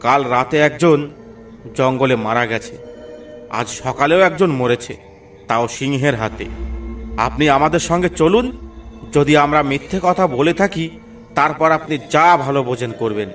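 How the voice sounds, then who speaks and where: A man's voice: medium pitch, normal speed, pauses often, a bit bright, distant mic, soft background music, natural voice. A man voicing an anxious village man in a cartoon, pleading and fearful.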